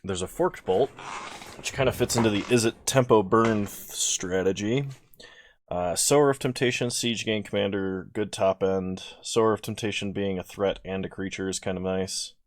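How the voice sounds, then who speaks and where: A man's voice: on the low side, normal speed, no echo. A sleepy man giving casual gameplay commentary, thinking aloud as he weighs each choice. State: sleepy, yawning. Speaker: video creator drafting cards.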